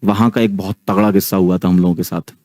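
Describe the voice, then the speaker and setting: A man in his thirties tells a story in a relaxed, chatty way, often pausing to check in with his audience. His voice sits low and mellow. The sound is dry and close, with no room in it. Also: no room sound. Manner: chatty, keeps checking in with the listeners. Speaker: online teacher telling a ghost story. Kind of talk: casual storytelling to a live audience.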